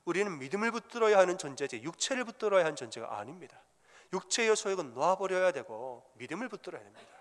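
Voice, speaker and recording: A pastor preaches with emphatic repetition and tells stories. His voice is fairly high for a man. It rings out in a reverberant church sanctuary. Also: a bit bright. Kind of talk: sermon.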